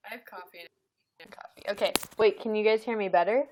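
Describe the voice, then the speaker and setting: A woman's voice: medium pitch, moderate pace, heavy background noise. A woman hosting a casual livestream from home, chatting and laughing often while wearing headphones. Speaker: livestream host. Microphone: headphones with mic.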